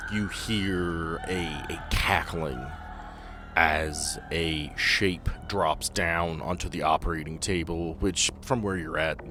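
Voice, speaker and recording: Low voiced guy game mastering a spooky tabletop podcast, descriptive and casual, music playing behind him. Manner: suspenseful, descriptive storytelling with casual asides. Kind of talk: improvised horror narration and rules talk for a tabletop game. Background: music under the voice.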